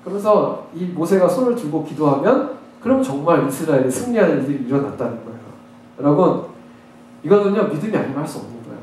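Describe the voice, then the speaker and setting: A high-pitched man preaches with swooping, lively intonation, jumping between hushed asides and excited acted-out prayers. His voice rings through a very echoey church hall, picked up from some distance away. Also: fast talker, slight background noise. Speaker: pastor. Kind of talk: sermon. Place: church sanctuary.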